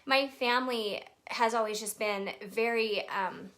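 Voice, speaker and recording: Bright-voiced chatty woman on a live stream. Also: a little high, unhurried. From Texas. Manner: chatty, with many fillers, greeting viewers mid-story. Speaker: makeup brand artist hosting a live video. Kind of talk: casual live-stream storytelling.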